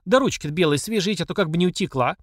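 A fierce older mother full of folksy sayings, high and lively in pitch, as a male narrator puts her on. The recording is close and dry. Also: rapid-fire, no room sound. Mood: gloating. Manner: shouting, mocking, folksy sayings. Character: fierce, furious older working-class mother.

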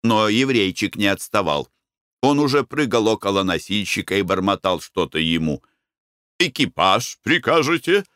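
A man reading a novel aloud as an audiobook narrator, measured and expressive. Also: lowish voice, smooth, no echo, studio quality. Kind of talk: scripted narration.

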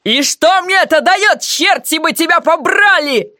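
A loud, demanding male captor, as a woman reader puts him on, bad-tempered and impatient, shouting down at his prisoner in an audiobook. The voice sits fairly high and sounds dry and close. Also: expressive, moderate pace, no echo. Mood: furious.

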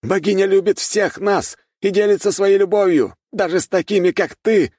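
A man voicing a zealous male warrior of a goddess, fervent and shouting. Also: high-pitched, normal speed, husky, no room sound, studio quality, voice pushed up.

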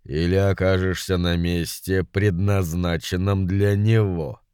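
A man voicing a pompous ancient demon lord who speaks in a slow, booming, imperious manner in an audiobook. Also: flat delivery, a little mellow, clean tone, dry recording, clean studio sound. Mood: menacing. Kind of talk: audiobook character voice.

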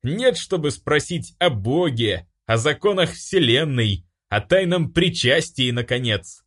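A man's voice: fairly high pitch, a bit bright, pitched above the performer's own voice, heavily acted. A man voicing a stern, pompous male angel who speaks in grand, solemn tones. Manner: solemn, grandiose, then snapping.

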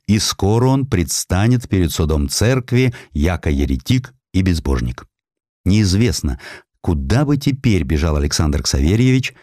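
A man reading a scripted historical sketch as an audiobook narrator, in an expressive, dramatic storytelling manner. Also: low voice, dry recording, studio quality. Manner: expressive storytelling, acting out quoted speech.

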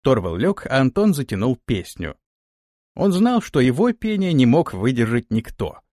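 A man narrates an audiobook, telling the story expressively from a script. His pitch is medium and his pace normal, recorded at studio quality with no room sound.

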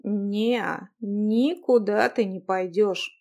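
A woman voicing a brash, headstrong young man who speaks loudly and commandingly. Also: mid-range voice, extremely slow, gravelly. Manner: loud, commanding, cocky.

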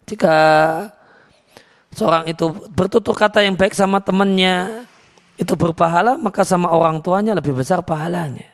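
A man giving an Islamic lecture on hadith, explaining calmly with many restarts and reciting Arabic verses before translating them. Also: high voice, moderate pace. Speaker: Islamic teacher.

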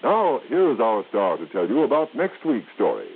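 A man's voice: mid-range voice, wildly swooping pitch, normal speed, breathy edge. A man with an American accent reading scripted copy as an old-time radio announcer. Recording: tinny vintage radio broadcast, faint music.

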